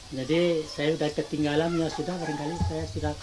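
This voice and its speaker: Over noticeable background noise, a man with a West Sumatran accent talks at a moderate pace and a fairly high pitch. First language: Minangkabau (speaking Indonesian). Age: 70s. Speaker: Minangkabau cultural elder and storyteller. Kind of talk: interview. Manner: casual, conversational.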